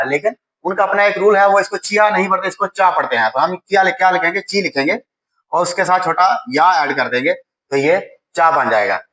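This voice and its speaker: A high, bright man's voice with a Pakistani Urdu accent, explaining a Japanese writing lesson step by step. He talks patiently, like a teacher at a whiteboard. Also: low-quality recording.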